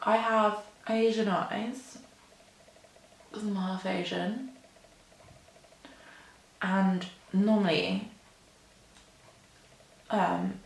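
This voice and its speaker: A beauty vlogger in her twenties chats to camera at a mirror in an indoor room while getting ready, drawing out her words unhurriedly. Her mid-range voice is creaky and rings a little in the echoey space. She rambles, pokes fun at herself and fills her talk with "like" and "um."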